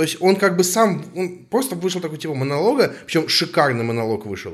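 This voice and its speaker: The man's pitch is high. He talks at a fairly quick pace. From Russia, Novgorod region. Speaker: podcast host, digital worker. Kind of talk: casual interview chat. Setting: home office.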